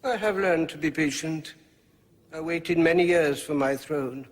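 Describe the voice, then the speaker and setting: A man's voice: on the high side, unhurried, long reverb tail, close to an everyday voice. An actor playing a weary, idle elderly king who speaks in a languid, dry and ironic way, in a film scene with music behind. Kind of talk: film drama acting.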